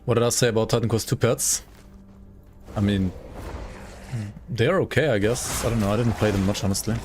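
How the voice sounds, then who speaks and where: A man streaming a game, chatting loosely in a relaxed, rambling way with lots of filler words. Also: fairly low pitch, fairly quick, soft background music. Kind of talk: casual gameplay commentary.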